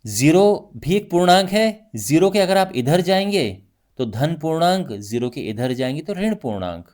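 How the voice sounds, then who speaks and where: A male math teacher giving a lively classroom lesson, talking through each point with frequent check-ins to his students. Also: a little high, normal speed. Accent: Hindi.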